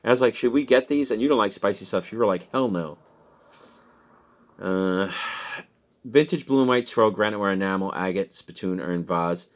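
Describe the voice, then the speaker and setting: A deep-voiced man with a Midwestern American accent talks fairly quickly, rambling casually about items he's resold. He's an online reseller giving a chatty sales recap and laughing at himself along the way.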